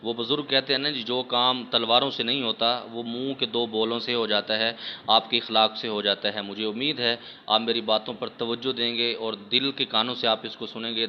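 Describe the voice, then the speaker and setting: A man's voice: lowish voice, dull audio, a little hiss or hum. A man teaching viewers earnestly, a spiritual healer explaining how to treat a patient, speaking in an instructional religious talk. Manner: earnest, addresses listeners repeatedly as respected audience.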